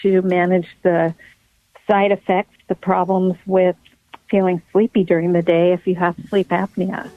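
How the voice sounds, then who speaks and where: On a tinny, phone-like line with a dry sound, a middle-aged woman who is a pediatric neurologist takes part in a podcast interview as a guest expert, keen to explain things. Her voice is on the low side, her delivery flat and unhurried, and there is no room sound.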